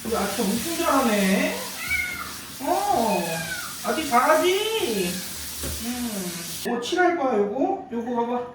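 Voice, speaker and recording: A man's voice: extremely high pitch, big pitch swings, takes it slowly. A man talking playfully to a kitten at home in coaxing baby talk, in casual vlog style. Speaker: vlogger, kitten owner. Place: home indoors. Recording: echoey room with faint noise.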